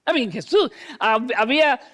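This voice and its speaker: A man preaching a sermon as a pastor. He reads scripture, acts out the people in the story and moves between loud emphasis and hushed lines, with English fillers dropped into his speech. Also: extremely high pitch, animated, normal speed. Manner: acts out the voices of the people in the text.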